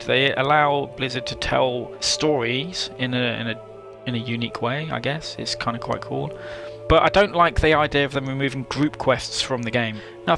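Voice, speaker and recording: A man's voice: medium pitch, creaky. A man giving emphatic, opinionated commentary on an online game as a video host. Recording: music behind the voice. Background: music.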